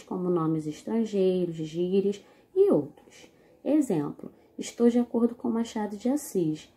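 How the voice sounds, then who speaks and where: Brief: woman, schoolteacher in a video lesson, deliberate and direct with the class, warm dark tone. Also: mid-range voice. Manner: slow, deliberate explaining, addressing the class directly. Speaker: teacher.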